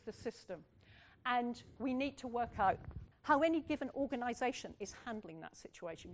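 A woman's voice: mid-range voice, a little hiss or hum. An older woman giving a candid, earnest public lecture, speaking plainly with frequent asides. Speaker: university lecturer.

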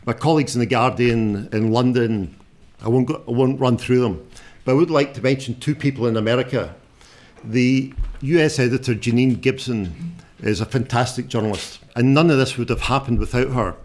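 A man in his sixties speaks with a broad, strong Scottish accent at a middling pitch. He is a journalist giving an unscripted public talk, and his delivery is informal, plain-spoken and somewhat halting. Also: a little mellow. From Scotland. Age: 60s.

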